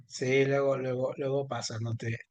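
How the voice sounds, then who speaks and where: A man teaching an online class, speaking haltingly with many fillers and restarts. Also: mid-range voice, flat delivery, muffled recording. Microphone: video call.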